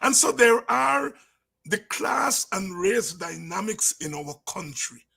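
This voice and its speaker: A man's voice: very animated, slow, gravelly, breathy edge. A middle-aged man with a Guyanese accent giving an impassioned, informal talk as a political commentator, telling anecdotes and repeating phrases for emphasis. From Guyana, from the countryside. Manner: emphatic, repeats words and phrases, swings from low asides to shouts.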